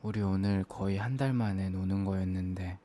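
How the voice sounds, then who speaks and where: Low, hushed man in ASMR role-play. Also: steady tone, moderate pace. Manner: soft, hushed, intimate, hesitant murmur. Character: apologetic, self-blaming young boyfriend murmuring to sleeping girlfriend.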